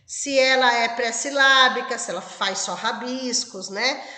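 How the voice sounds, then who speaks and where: A woman's voice: fairly high pitch, measured pace, bright, forceful tone. A Brazilian woman teacher giving an exam-prep lecture, explaining step by step and checking in with the class. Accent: Brazilian Portuguese. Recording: echoey room with long reverb.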